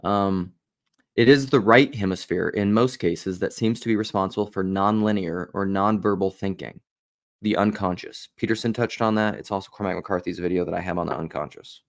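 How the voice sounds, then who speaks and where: A man's voice: low voice, fairly even intonation, moderate pace. A man giving casual video commentary and reading aloud, rambling and jumping between ideas.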